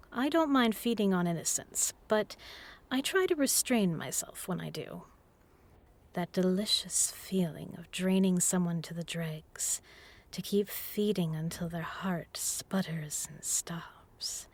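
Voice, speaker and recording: A woman's voice: lowish voice, heavily acted. A woman playing a seductive, menacing vampire in an intimate audio roleplay, teasing and purring, often dropping to a whisper. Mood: hungry, seductive. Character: seductive, menacing female vampire predator toying with prey. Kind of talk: intimate hypnotic audio roleplay, slow and breathy.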